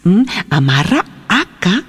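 An actress playing an immigrant woman in a radio drama, with a foreign accent and halting, broken Spanish full of searching hums. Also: fairly low pitch, sing-song, husky, exaggerated voice. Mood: chatty, hesitant. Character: slow, halting immigrant woman explaining recipes and family troubles.

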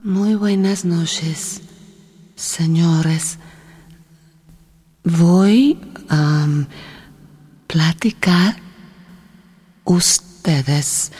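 An actress playing an earnest Mennonite farm wife in a radio drama, with a German accent and halting, broken phrasing. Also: female voice, fairly low pitch, warm tone, husky, exaggerated voice. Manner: halting, broken phrasing with dropped articles and hums.

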